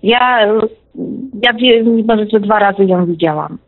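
A woman's voice: medium pitch, slow pace, no room sound, soft background music. A woman calling in to tell a personal story, talkative and emphatic, often repeating herself. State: widowed, close to tears. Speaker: caller. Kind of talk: emotional personal account. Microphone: telephone. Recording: tinny phone line.

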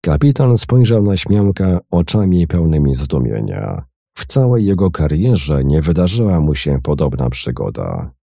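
Deep, gravelly, slow male narrator. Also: very animated, dark tone, no echo, studio quality. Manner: slow, measured reading. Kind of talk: audiobook narration.

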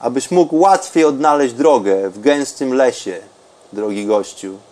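A man speaking in a calm, unhurried, soothing way with long pauses, as a podcast host and meditation guide. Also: medium pitch.

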